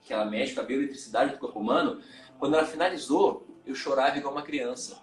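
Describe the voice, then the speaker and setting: A man, a tantra and yoga teacher, telling his personal story as a guest in a live interview, candid and halting, often repeating words. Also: medium pitch, echoey room, faint music behind.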